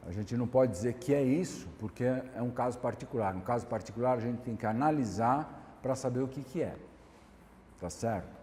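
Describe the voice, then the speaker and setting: A Brazilian pastor answers questions from a class in a calm, measured way, circling back to the same point and checking that he is understood. His voice is warm and mellow. The sound rings through a large hall with a faint hiss behind it. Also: mid-range voice. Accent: Brazilian Portuguese. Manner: measured, repeats points, asks "tá certo?". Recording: echoey hall, light background hiss.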